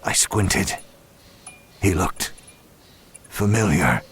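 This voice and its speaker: A man playing a broken, self-loathing demon who narrates a horror audio drama in a grave, measured way. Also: sits low, animated, a bit bright, a little hiss or hum, full character voice. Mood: wary, stunned. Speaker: first-person narrator.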